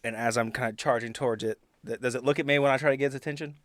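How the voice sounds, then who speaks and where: A man's voice: medium pitch, fairly even intonation, very fast, dry recording, clean studio sound. A man chatting casually and jokingly as a player in a tabletop role-playing game.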